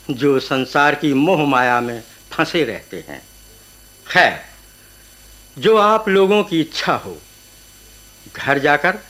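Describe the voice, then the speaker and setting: A man's voice: fairly high pitch, a bit bright. An actor in a radio drama playing a solemn, pious male Hindu guru who speaks in a preachy, sonorous manner. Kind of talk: radio drama, sermon-like delivery.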